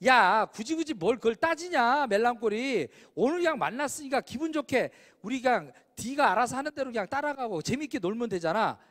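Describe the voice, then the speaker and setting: Guy doing a happy party-guy classmate, high voice, echoey hall. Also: animated, fairly quick, few pauses, a bit bright. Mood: cheerful. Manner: upbeat, playful. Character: cheerful sociable male party-lover classmate. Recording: long hall reverb.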